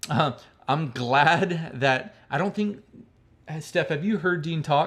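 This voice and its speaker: The pace is very slow. Pitch moves up and down in an ordinary way. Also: man, fairly high pitch for a man. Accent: rural American. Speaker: YouTuber answering live chat. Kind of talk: casual live-stream chat. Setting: live stream. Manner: casual, filler-heavy.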